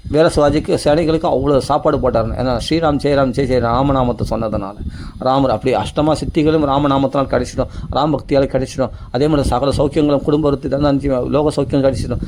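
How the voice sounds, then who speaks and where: A man's voice: medium pitch, a little mellow, slight background noise. A man giving a devotional discourse, emphatic and repetitive, asking many rhetorical questions. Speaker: religious speaker.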